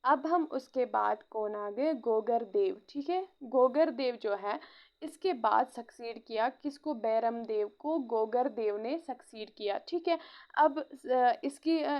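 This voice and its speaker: A woman's voice: sits high, lo-fi sound. A woman teaching an exam-prep history lecture, checking in often with listeners and mixing in English phrases. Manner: frequent "theek hai" check-ins, mixes English phrases.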